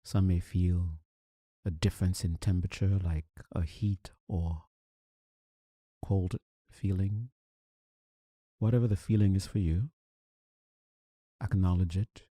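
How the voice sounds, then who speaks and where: Very slow, dark-voiced man guiding meditation. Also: low-pitched, no room sound, studio quality. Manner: calm, soothing, with long deliberate pauses. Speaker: meditation teacher. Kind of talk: guided meditation.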